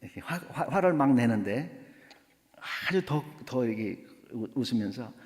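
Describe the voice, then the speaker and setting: A male pastor preaching a sermon, telling a story with animated delivery and chuckles. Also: mid-range voice, normal speed. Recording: long church hall reverb.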